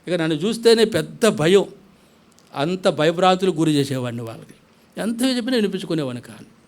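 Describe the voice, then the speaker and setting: High-voiced man preaching a testimony. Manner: animated storytelling, acts out voices of his mother and himself. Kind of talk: sermon testimony.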